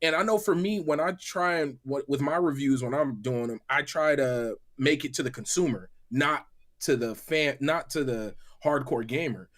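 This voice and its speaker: A man chatting in animated, slangy podcast banter, excitable and often repeating his phrases. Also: medium pitch, moderate pace. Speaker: gaming podcast panelist and reviewer. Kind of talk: animated casual panel banter. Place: remote call on a livestream.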